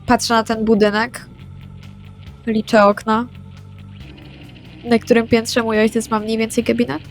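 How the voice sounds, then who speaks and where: A woman's voice: fairly high pitch, level tone, a little slow. A woman playing in a tabletop roleplaying game, speaking casually in character. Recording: background music. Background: music.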